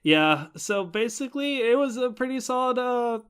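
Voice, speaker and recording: A man's voice: extremely high pitch, animated, normal speed, a bit bright, clear, resonant tone. A young man co-hosting a casual anime review podcast, talking in a rambling way with many fillers. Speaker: podcast co-host.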